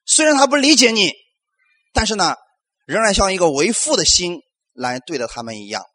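Animated high-voiced male preacher. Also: a little fast. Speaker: pastor. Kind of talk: sermon.

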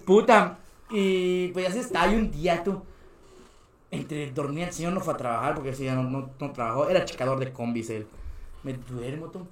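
A man's voice: fairly high pitch, normal speed, slight background noise. A young man with a Mexican accent, a podcast guest telling casual stories, laughing often and acting out other people's voices. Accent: Mexican Spanish. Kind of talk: casual storytelling. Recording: echoey room.

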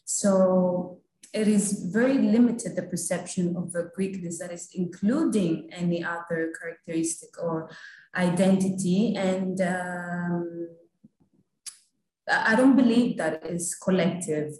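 A woman's voice: fairly low pitch, measured pace, darkish tone, echoey room, low-quality recording. A young woman from Greece, answering interview questions earnestly and thoughtfully, often checking in with the listener. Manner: earnest, thoughtful, frequent "you know" and "right?".

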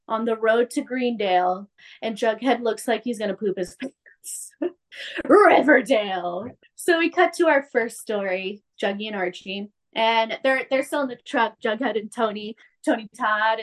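A young woman with a fairly high voice tells a TV episode's plot in casual podcast chat. She acts out each character's lines, her voice leaping up and down as she goes. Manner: animated storyteller, acts out characters' lines with big pitch jumps. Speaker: podcast co-host recapping a TV episode.

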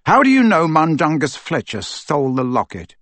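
A man's voice: fairly high pitch, huge pitch swings, moderate pace, fairly bright tone, no echo, voice pushed up. A man doing a fierce teenage boy wizard. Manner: fierce, urgent, commanding. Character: teenage boy wizard hero, determined and commanding. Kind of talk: audiobook character voice.

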